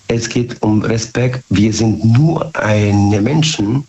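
Hoarse man on a muffled phone line. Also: on the low side, darkish tone. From Germany. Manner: halting, ungrammatical German, repeats "ja". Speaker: caller.

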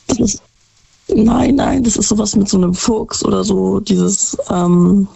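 A woman from Baden-Württemberg calling in to a show, hoarse from the flu and hesitant as she searches for words. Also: mid-range voice, unhurried, dark tone, no echo, low-quality recording. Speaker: caller. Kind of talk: casual phone-in chat.

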